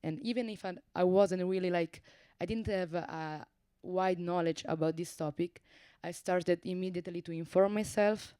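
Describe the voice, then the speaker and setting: A woman's voice: fairly low pitch, steady tone, normal speed, dark tone, clear, resonant tone, no room sound, studio quality. A young woman from Ticino whose first language is Italian, presenting her master's research on a panel in an earnest way, often restarting her phrases. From Ticino, Switzerland.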